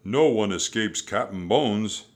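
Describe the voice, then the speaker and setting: A man's voice: on the low side, animated, measured pace. A man voicing a huge, mean pirate captain with a growling roar in an audiobook story. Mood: menacing. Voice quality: growling, roaring.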